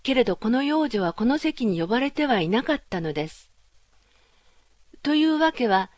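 A woman reads a fairy tale in a gentle, measured way. Her voice sits fairly high. The recording is dry and close, with no room sound. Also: sing-song, no echo. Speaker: narrator. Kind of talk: storybook narration.

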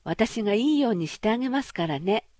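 A polite frog from a fairy tale talks in a soft, courteous, quick way, gently coaxing, as a woman reading the story gives him lines. The recording is dry and close. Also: fairly high pitch, animated, dry recording.

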